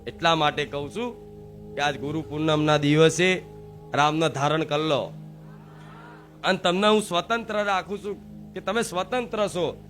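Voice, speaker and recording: A woman guru delivering a devotional sermon, emphatic and full of rhetorical questions, at times rising to shouts. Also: low-pitched, moderate pace, pauses often, soft background music.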